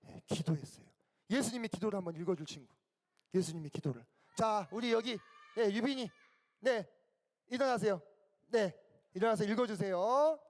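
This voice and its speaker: A man teaching a children's Bible camp sermon, telling the story with lively, questioning storytelling. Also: sits high, normal speed, long pauses. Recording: echoey hall.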